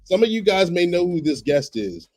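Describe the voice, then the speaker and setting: A man hosting a live-streamed podcast, hoarse from a cold, talking in a chatty way that repeats itself, with coughs and apologies. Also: high voice, big pitch swings, moderate pace, a little mellow. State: hoarse, getting over a cold. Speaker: podcast host.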